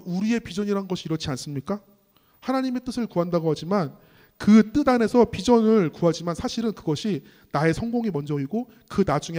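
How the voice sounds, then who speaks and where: A man delivering a sermon-style lecture in a high-pitched voice. He spins a parable and turns to address the audience directly. A long hall reverb trails every phrase. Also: darkish tone. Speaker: ministry staff speaker.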